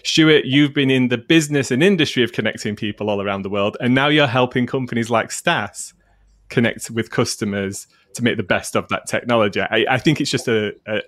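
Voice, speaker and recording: A man's voice: on the low side, fairly bright tone. A man with a broad Yorkshire accent touched by Mancunian, hosting a talk show in a chatty, informal way. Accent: broad Yorkshire with some Mancunian. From northern England. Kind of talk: conversational interviewing.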